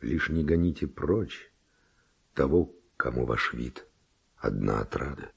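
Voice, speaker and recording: An actor playing an ardent, reckless nobleman seducer in a classic radio play, declaiming verse theatrically with a gravelly, husky voice. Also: extremely low pitch, expressive, slow pace, exaggerated voice. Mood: tender, humble.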